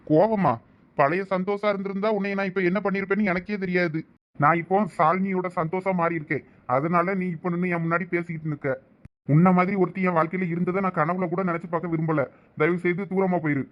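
Guy doing a high-voiced jealous young husband, dramatic, dull lo-fi sound. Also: steady tone, fast, close to an everyday voice. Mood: cold rejection. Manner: dramatic, emotional delivery. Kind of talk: village web-series acting.

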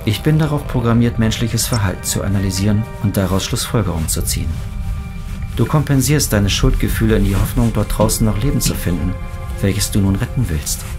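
An actor playing a calm, analytical, caring ship computer in a German sci-fi audio drama, with formal, precise phrasing. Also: male voice, on the low side, brisk, music in the background, lightly acted. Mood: measured, cautioning.

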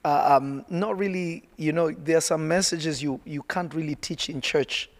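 Halting man preacher in a reverberant hall. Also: on the high side. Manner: chatty, halting, with many fillers. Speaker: prophet and pastor. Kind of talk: relaxed teaching talk.

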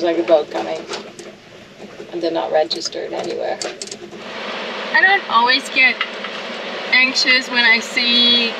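A woman in her forties, a solo sailor, chatting casually to the camera in her boat's cockpit at sea, musing with lots of "like" fillers. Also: a little high. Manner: relaxed, musing, many "like" fillers. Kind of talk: casual vlog talk to camera. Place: open sailboat cockpit at sea, outdoors. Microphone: handheld camera close up. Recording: distant camera mic, loud wind and engine noise.

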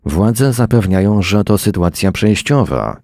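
A man's voice: on the low side, animated, unhurried, darkish tone, no room sound, clean studio sound, voice pushed up. A man voicing a blunt, swearing middle-aged man who grumbles about the state of things, read as part of a story. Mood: irritated. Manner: irritated, swearing.

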